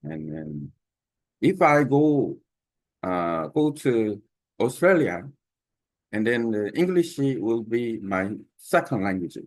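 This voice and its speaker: Slow, halting man with a Korean accent. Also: on the low side, big pitch swings, dry recording, low-quality recording. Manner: halting, many pauses and fillers. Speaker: language learner sharing his method. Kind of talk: unscripted talk to camera.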